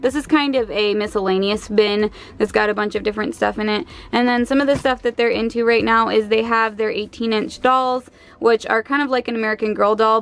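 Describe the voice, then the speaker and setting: A young woman and mother giving a relaxed, chatty vlog narration while showing things around her small home. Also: on the high side. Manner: chatty, relaxed, explaining as she shows things. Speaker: vlogger, mother of three girls. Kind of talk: casual organizing vlog narration.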